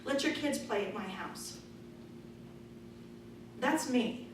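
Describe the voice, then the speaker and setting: A middle-aged woman speaking as a political candidate at a forum, loud and forthright in a conversational way. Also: a little high, lively intonation, takes it slowly. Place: meeting room. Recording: echoey room from far off, noisy.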